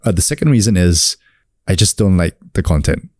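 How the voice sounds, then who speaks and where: A very low-voiced man in his thirties from New Zealand talks through a casual interview. He keeps it relaxed, leaning on fillers and restarting his sentences. The sound is dry and close. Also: fairly quick, no echo. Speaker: guest, actor and coach.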